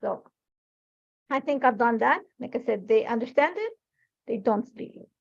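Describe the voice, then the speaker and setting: A woman's voice: a little high, lively intonation, normal speed, creaky. A middle-aged woman with an Ecuadorian Spanish accent, a native Spanish speaker, chatting casually and thinking aloud as she leads a live crafting demonstration. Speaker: crafting host. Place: crafting desk, overhead camera. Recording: dull lo-fi stream audio.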